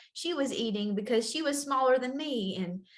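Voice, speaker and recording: A woman with a Kentucky accent speaks at a fairly quick pace with ordinary pitch variation. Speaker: eating disorder recovery coach. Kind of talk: interview.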